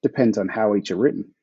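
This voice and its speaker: A man's voice: mid-range voice, mellow, breathy edge, no echo, muffled recording. An Australian man being interviewed as a guest author, answering in a laid-back way with frequent chuckles.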